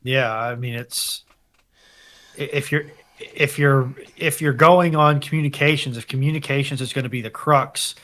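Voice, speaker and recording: A man with a bright, forward voice at a middling pitch talks casually as a panellist. He reasons aloud, building his point in halting, broken phrases. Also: fairly even intonation. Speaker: panellist on live discussion stream. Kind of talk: casual speculative discussion.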